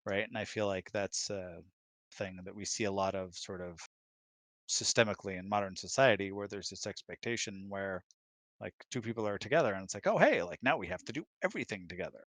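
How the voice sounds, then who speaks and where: A middle-aged man with a fairly low voice, recorded dry and close. He chats informally about relationships and often slips into imagined quotes to make his points. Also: fairly quick, fairly bright tone, no room sound. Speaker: guest on spouse's hangout. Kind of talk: casual relationship chat.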